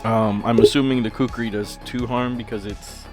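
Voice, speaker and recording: A man's voice: mid-range voice, fairly even intonation, normal speed, loud music behind the voice. A man chatting casually at the game table as a player, talking through his moves and the rules.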